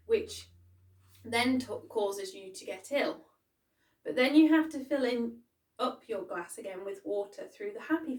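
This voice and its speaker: A woman voicing a wise, gentle old grandmother. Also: medium pitch, close to an everyday voice. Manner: gentle, unhurried, quietly firm. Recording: echoey room, far from the mic.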